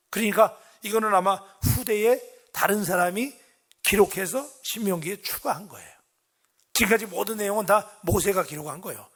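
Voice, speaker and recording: A man's voice: sits high, fairly bright tone. A middle-aged man preaching a dawn sermon in a church, talking conversationally and tossing questions to the congregation. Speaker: pastor. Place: church sanctuary.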